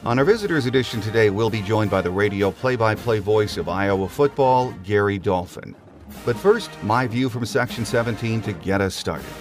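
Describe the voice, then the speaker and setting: Low-voiced man hosting a scripted show. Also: moderate pace, faint music behind. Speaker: podcast host. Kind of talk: scripted podcast monologue.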